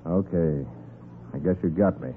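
A man's voice: deep voice, moderate pace, phone-quality sound, natural voice. A man playing a cool, confident private detective, assured and wry, in a 1940s radio crime drama. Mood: wry, stalling. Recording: band-limited, noisy 1940s radio recording.

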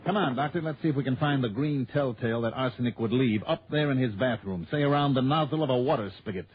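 A man's voice: medium pitch, quick pace, a little hiss or hum, lightly acted. A man playing a confident, wry insurance investigator who narrates a 1960s radio drama. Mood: insistent. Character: hard-boiled male insurance investigator. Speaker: narrator and lead. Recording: tinny old radio with music.

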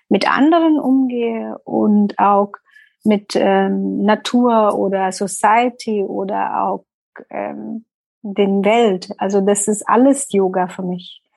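A woman's voice: mid-range voice, gravelly, a little mellow, no echo, low-quality recording. A middle-aged woman with an Indian accent, a guest in an interview, speaking thoughtfully and searching for words. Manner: thoughtful, searching for words, mixing in English phrases. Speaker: interview guest, yoga teacher. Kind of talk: interview conversation.

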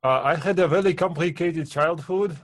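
A man in his forties from Kazakhstan with a heavy French accent, a podcast guest who talks haltingly with many restarts and fillers. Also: fairly high pitch, no room sound, studio quality. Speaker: podcast guest, business owner. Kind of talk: casual interview chat.

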